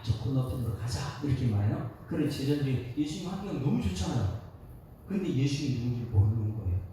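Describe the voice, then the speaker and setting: Animated male pastor in echoey hall. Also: on the high side, recorded from a distance, slight background noise. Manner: animated preaching, acts out quoted voices. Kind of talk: dawn service sermon.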